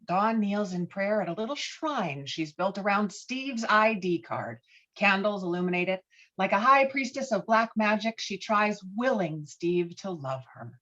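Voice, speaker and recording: Bright, lively woman reading stage directions. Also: medium pitch, a little slow. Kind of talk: scripted narration. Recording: dull lo-fi call audio.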